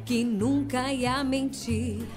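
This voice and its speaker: An actress with a Brazilian accent playing a sultry nightclub jazz singer, singing in an audio drama. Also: female voice, high-pitched, fairly even intonation, drawn-out words, over music.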